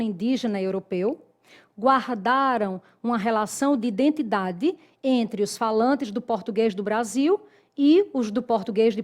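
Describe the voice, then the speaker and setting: A woman's voice: fairly high pitch, darkish tone. A woman from Brazil, a Portuguese teacher, explaining grammar in an online lesson and checking in with her students as she goes. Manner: explanatory, addresses students directly with tag questions.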